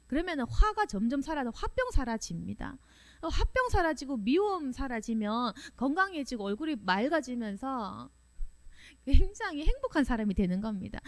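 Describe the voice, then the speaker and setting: A woman pastor delivers a sermon in a high, lively voice whose pitch swoops up and down. She drives her points home with rapid strings of rhetorical questions. Every so often she laughs as she preaches. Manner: laughs now and then while preaching.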